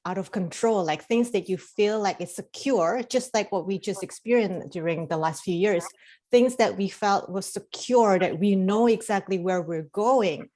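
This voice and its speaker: A woman's voice: medium pitch, normal speed, mellow. A middle-aged woman from Indonesia, a life coach guest in a casual interview, talking in a rambling way with many fillers and restarts.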